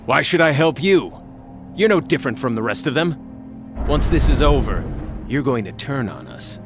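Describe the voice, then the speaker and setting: An actor playing a bitter, paranoid rogue general in a video game, speaking in an intense, accusing way. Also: male voice, medium pitch, expressive, normal speed, music in the background, natural voice. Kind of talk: video game cutscene acting.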